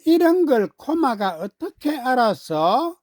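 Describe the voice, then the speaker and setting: Woman as storybook young daughter: high voice, bright-eyed curiosity, eager, teasing, very dry close recording. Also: sing-song, slow pace, dry recording, exaggerated voice. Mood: curious. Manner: playful, eager, exclaiming. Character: bright, curious young girl teasing and cheering on her mom.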